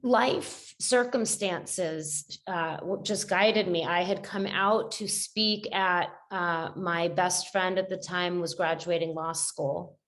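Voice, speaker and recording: A woman's voice: lowish voice, fairly even intonation, slow pace, few pauses, a bit bright, low-quality recording. A middle-aged woman talking as a podcast guest, reflective and rambling, with many fillers and restarts. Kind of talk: casual conversational interview.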